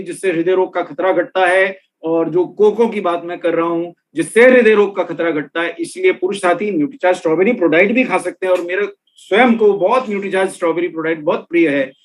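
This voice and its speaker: A middle-aged man presenting a health and nutrition talk, explaining step by step and speaking straight to his listeners. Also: high voice. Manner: explanatory, addresses listeners directly. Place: room with products on shelves behind.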